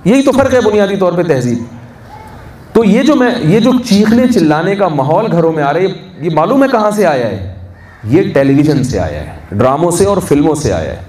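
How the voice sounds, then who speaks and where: A man's voice: on the high side, big pitch swings, darkish tone. A man giving a sermon to a gathering, asking his listeners questions and answering them himself. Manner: conversational, asks the audience questions and answers them. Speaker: religious scholar. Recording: echoey hall from a distance, faint noise.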